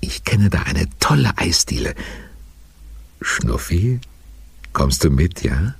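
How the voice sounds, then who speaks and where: An actor playing a chatty, playful storyteller in a children's audio play, with a raspy, breathy voice. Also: male voice, deep voice, dry recording, heavily acted. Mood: cheerful, eager. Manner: animated, playful, unhurried. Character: chatty male storyteller of a children's witch series.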